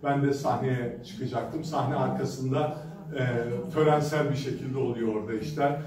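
A man's voice: mid-range voice, fairly even intonation, moderate pace, a little mellow. A male pastor giving a sermon at a pulpit microphone, telling stories in a conversational way with hesitant fillers. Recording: echoey hall from a distance with background noise.

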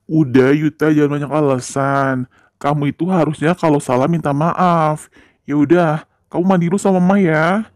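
A man voicing a tired office-worker father who scolds his children calmly, in an amateur game-animation drama. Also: a little high, normal speed, dry recording, clean studio sound, close to an everyday voice. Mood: scolding.

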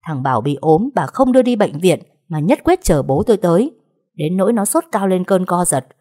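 A woman reads a first-person audiobook story in a steady, even storytelling manner. Her voice is low and dark, with a mellow, relaxed tone. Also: brisk, no room sound, clean studio sound. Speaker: story narrator. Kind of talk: audiobook narration.

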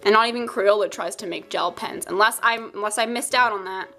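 Faint music plays behind a young adult woman with a stuffy nose as she casually tours her sketchbook for her art YouTube channel. She rambles, jokes at her own expense, and speaks briskly in a mid-range voice with a sharp tone.

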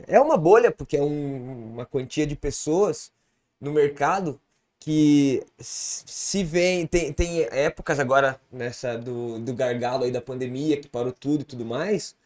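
Slangy, rambling guest from Brazil. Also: male voice, on the high side, a little slow, a little mellow. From Santa Catarina, Brazil. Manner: slangy, rambling, many fillers and restarts; gestures a lot with his hands. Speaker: podcast guest, comedian and producer. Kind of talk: casual podcast conversation. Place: small podcast studio with bookshelf. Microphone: boom studio mic close.

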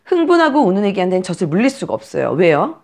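A woman instructor coaching new mothers on breastfeeding, speaking directly and emphatically, firing off blunt instructions. Her pitch swings widely and animatedly, and she keeps lapsing into little acted-out scenes. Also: very animated, fast talker, darkish tone. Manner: direct, emphatic, uses commands and acts out scenes. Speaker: postpartum care and breastfeeding instructor.

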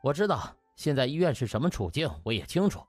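Man voicing an indignant young male doctor, swinging pitch. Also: big pitch swings, quick pace, no room sound, soft background music. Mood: earnest, indignant. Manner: forceful, emphatic, aggrieved.

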